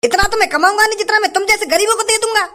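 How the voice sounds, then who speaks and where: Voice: very high voice, racing, pushed and bright, voice pushed up. A performer voicing a stingy, rude male shopkeeper with a Haryanvi accent, scolding and scornful. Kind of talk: comedy skit voicing.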